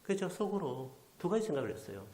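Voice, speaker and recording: A male pastor with a delivers an animated storytelling sermon, his pitch swinging widely as he acts out the people he quotes. At times he sinks almost to a whisper. The sound rings in an echoey church hall. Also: racing. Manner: animated storyteller, acting out quoted voices, drops to near whisper. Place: church sanctuary.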